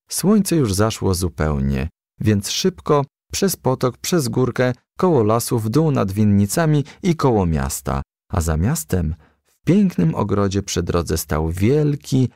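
A man narrating a children's storybook with expressive, animated delivery. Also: on the low side, no echo, clean studio sound. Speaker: audiobook narrator.

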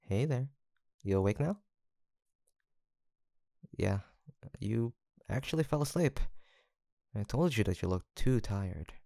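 A man playing a gentle, teasing young college roommate in an intimate audio roleplay, with a soft-spoken, hesitant manner. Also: lowish voice, animated, takes it slowly, gravelly, long pauses, dry recording, studio quality, full character voice. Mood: gentle, tender. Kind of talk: intimate boyfriend-style roleplay acting, one-sided conversation.

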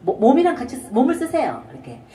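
A woman's voice: fairly high pitch, huge pitch swings, quick pace, recorded from a distance. A woman teaching a trot singing lesson, explaining breathing and ornaments and singing short phrases to show them. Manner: demonstrates lines by singing, belts short shouts. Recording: echoey room, voice off-mic.

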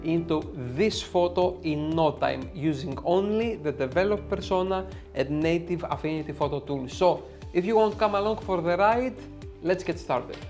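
A Greek-accented man in his thirties with a fairly high voice talks through a software lesson. He explains each step in a lively, chatty way, dropping in the odd filler as he goes. He is recorded on a lapel mic in a dim home studio. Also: moderate pace, faint music behind. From Greece. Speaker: photo editing tutor. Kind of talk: screen-recorded software tutorial.

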